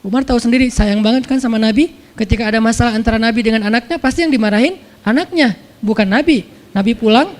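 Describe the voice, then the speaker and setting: Male preacher with a very high voice; lively, casual storytelling sermon, long hall reverb. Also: quick pace. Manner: animated, acts out quoted voices.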